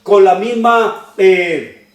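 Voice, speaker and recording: High-voiced preacher in a roomy space. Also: male voice, extremely slow. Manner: impassioned preaching with long repeated lists; frequent hesitations with "eh". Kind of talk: sermon. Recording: roomy, distant from the mic.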